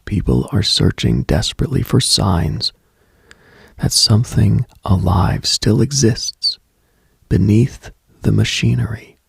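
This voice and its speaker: Deep, gravelly man, late-night radio host. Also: lively intonation, a little slow, dry recording. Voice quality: gravelly, husky, breathy. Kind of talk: slow late-night mystical radio monologue; reflective eerie storytelling.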